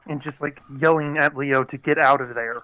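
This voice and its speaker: A man's voice: a little high, steady tone, normal speed, bright, forceful tone. A man chatting casually as a player in a tabletop game, over dull lo-fi voice-chat audio.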